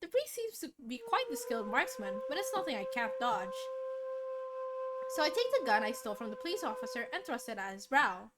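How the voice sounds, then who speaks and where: A woman with a high, very lively voice reads a visual novel on stream over clear background music. She slips between dramatic narration and casual, chatty commentary. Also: brisk. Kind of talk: reading a visual novel aloud, casual asides. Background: game music.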